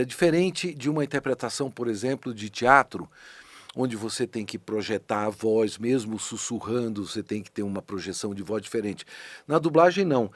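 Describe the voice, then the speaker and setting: A middle-aged man with a Brazilian Portuguese accent and a medium-pitched voice is a guest on a casual conversational interview in a podcast studio, recorded dry. A voice actor and dubbing director, he speaks thoughtfully and animatedly, often restarting and building to rising emphasis.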